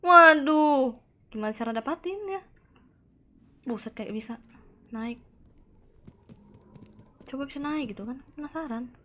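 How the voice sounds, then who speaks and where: A woman streaming a horror game live, chatting excitedly, reacting aloud and answering her chat, tossing in Japanese words. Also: high voice, unhurried, pauses often. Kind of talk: live gameplay commentary.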